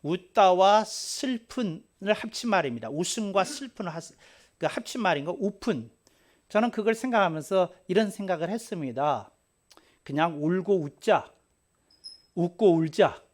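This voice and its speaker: Male pastor, higher voice with a wide, bouncing pitch, playful sermon delivery with laughs. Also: moderate pace. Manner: lively, playful preaching with laughs and acted asides.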